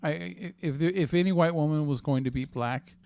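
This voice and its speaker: Male podcast co-host, gravelly, crude casual banter. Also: fairly high pitch, a little fast, a little mellow. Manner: joking, crude, laughs often.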